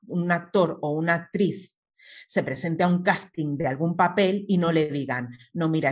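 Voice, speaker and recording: A middle-aged woman from Spain speaks in a somewhat low voice. She explains her points earnestly and at length in an interview, often pausing to check in with tag questions. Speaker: guest, writer and activist. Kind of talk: conversational interview answers.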